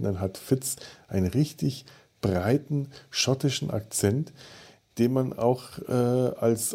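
A man's voice: on the low side, mellow, breathy edge. A man co-hosting a podcast, talking casually with many fillers and restarts. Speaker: podcast host.

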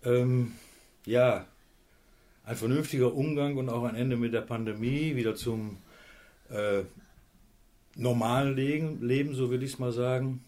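A man in his sixties, a sales manager, speaking earnestly and in a measured way as a radio guest. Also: medium pitch, fairly even intonation, a little mellow. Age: 60s. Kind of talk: radio interview.

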